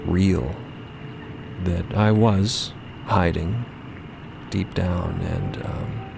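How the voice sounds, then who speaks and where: An actor playing a subdued, vulnerable man in mourning, confiding haltingly in an audio drama. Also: sits low, creaky, heavily acted. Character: subdued, vulnerable young man, grieving a mentor.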